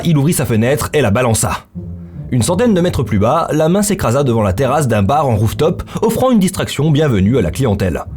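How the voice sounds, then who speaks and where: A man's voice: medium pitch, a little mellow. A man narrating a scripted action story in a dramatic style, with music behind him.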